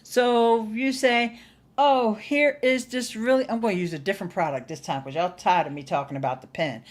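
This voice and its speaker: A woman's voice: mid-range voice, moderate pace. A middle-aged woman chatting casually to livestream viewers as host, folksy and playful, leaning on words for emphasis. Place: small indoor home studio. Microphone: desktop microphone close by.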